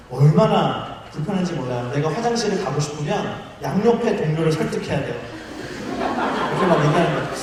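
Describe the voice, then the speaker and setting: A man preaching to a college crowd, his voice pitched a little high and full of lively, joking storytelling. He sounds far from the mic, and long reverb rings around him in a big, echoey church hall. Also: background noise. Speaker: pastor. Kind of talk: sermon to a college group. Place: large church auditorium.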